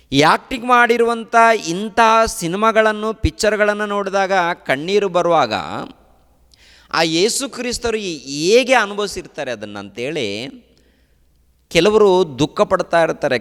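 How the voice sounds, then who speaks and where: A male pastor delivers a sermon in emphatic, rhythmic phrases, piling up repeated lines one after another. His voice sits somewhat high for a man. A long reverb tail hangs behind every phrase. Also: fairly bright tone. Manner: repetitive emphatic preaching, listing phrases in threes.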